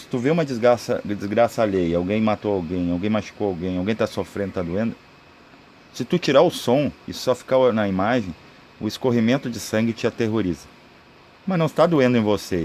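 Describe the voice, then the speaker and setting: A man's voice: fairly low pitch, expressive, quick pace, a little mellow. Brazilian man teaching informally over background noise. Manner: rambling explanatory delivery with checking tags. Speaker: spiritual video creator. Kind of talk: informal spoken esoteric teaching.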